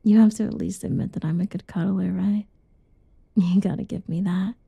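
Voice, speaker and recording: A young woman doing a whispered ASMR roleplay in a soft, teasing whisper, recorded close and dull. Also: mid-range voice, steady tone, normal speed, vocal fry, breathy edge, dry recording.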